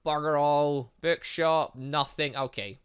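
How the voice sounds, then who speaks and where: A gaming channel host plays a visual novel in a fairly high voice that stays steady, slow, clear, and resonant. He keeps the commentary casual and chatty, reading bits of the game's text and muttering asides to himself as he thinks aloud.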